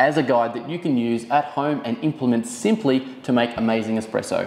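This man's pitch moves in a usual way, and the room adds audible echo. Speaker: coffee channel host. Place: kitchen.

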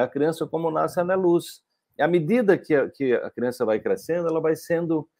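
The man's voice sits high in pitch, and he talks at a moderate pace. Behind him the background stays quiet. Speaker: holistic health teacher. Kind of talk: explanatory talk answering a viewer question. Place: home room. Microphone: earbuds.

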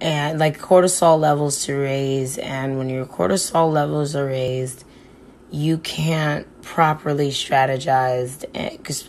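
Her pace is very slow. The woman's pitch is very deep and low. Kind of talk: casual selfie monologue. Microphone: phone near.

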